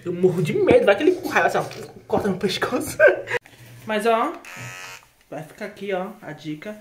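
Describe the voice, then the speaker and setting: Speaking with a Brazilian Portuguese accent, a man records a late-night vlog at home in a high-sitting, very animated voice at a moderate pace. He is chatty and rambling, full of fillers and repeated words.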